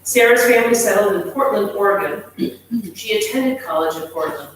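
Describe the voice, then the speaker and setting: A woman's voice: mid-range voice, expressive, slight background noise. A woman hosting an event, reading out a formal introduction of the next speaker. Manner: measured, announcing speakers. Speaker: event host. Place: large lecture hall. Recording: echoey hall, mic from far off.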